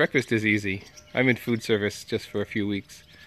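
Over music in the background, a man with a fairly low pitch speaks at a moderate pace in a flat monotone, the sound dry with no echo. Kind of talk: casual live-stream chat. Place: street. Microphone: phone near.

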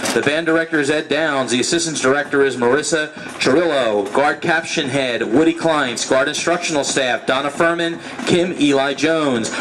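A man talks over noticeable background noise. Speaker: stadium announcer. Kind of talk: formal announcement reading. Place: stadium. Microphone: pa.

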